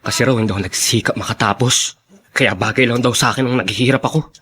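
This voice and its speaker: An actor playing a troubled black-sheep son in a radio drama, halting and respectful to his elders. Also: mid-range voice, fairly bright tone, lightly acted. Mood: hurt, bitter. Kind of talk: Tagalog radio drama acting.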